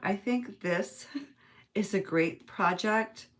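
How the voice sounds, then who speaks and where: A woman's voice: medium pitch, takes it slowly. A woman from the United States hosting a live craft stream, chatting casually as she works, musing aloud and chuckling often. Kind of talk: casual craft-along chat, reading viewer comments.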